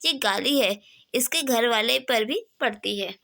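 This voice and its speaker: A woman's voice: a little high, animated, measured pace, creaky, sharp tone, full character voice. A woman reading a know-it-all villager. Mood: mediating. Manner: explaining, mediating. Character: grown man, would-be wise village idler.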